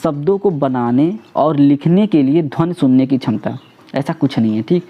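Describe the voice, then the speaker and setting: A man's voice: a little high, normal speed, highs cut off. A young man teaching an exam-prep lecture, asking questions and answering them himself, with English words mixed into his talk.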